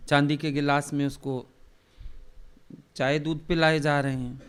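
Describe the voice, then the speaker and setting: Male spiritual teacher, somewhat high pitch, storytelling sermon, acts out quoted dialogue. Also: level tone, unhurried, clear, resonant tone. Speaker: spiritual teacher leading a satsang.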